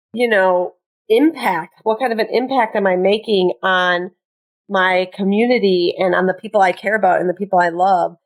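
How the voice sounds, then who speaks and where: With a Midwestern accent, a woman speaks at a fairly slow pace with lively intonation. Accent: Midwest. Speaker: podcast co-host. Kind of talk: casual chat.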